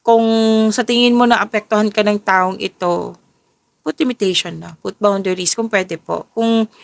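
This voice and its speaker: A woman's voice: mid-range voice, vocal fry, no echo. A tired woman giving a casual tarot reading, often stopping to correct and rephrase herself. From Philippines. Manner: self-correcting, restarts and rephrases as she goes. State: tired, voice a little off. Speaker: tarot reader. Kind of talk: casual tarot reading, mixing English and Tagalog.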